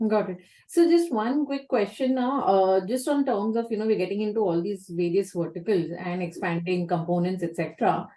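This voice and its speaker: A woman's voice: mid-range voice, normal speed, warm tone. A woman speaking as an analyst, putting long conversational questions on an earnings call. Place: conference call.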